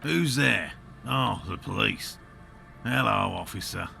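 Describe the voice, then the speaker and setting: An actor voicing a patient, diligent middle-aged cryptozoologist in a video game, dry and a little sarcastic. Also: male voice, fairly low pitch, lively intonation, slow pace, creaky, bright, forceful tone, soft background music, exaggerated voice.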